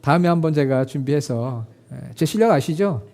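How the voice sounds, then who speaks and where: A middle-aged man preaches with a high-pitched but dark, warm tone. He speaks earnestly, rising into emotional quoted prayers and then settling into soft, intimate asides to the congregation. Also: expressive, normal speed. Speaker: pastor. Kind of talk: sermon.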